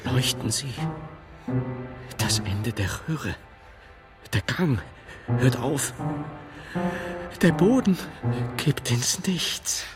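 An actor playing a solemn, awestruck medieval monk and thinker in a radio drama, grave and breathy with dramatic pauses. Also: male voice, medium pitch, big pitch swings, over loud music. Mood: anxious hope. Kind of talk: radio drama acting in German.

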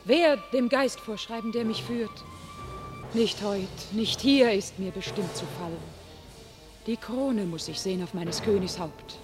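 An actress playing a young, divinely inspired warrior maiden in a classic radio drama, speaking solemn, impassioned verse in a commanding way. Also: female voice, medium pitch, measured pace, music in the background, lightly acted. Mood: proud, defiant. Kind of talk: classic German radio play, declaimed stage verse.

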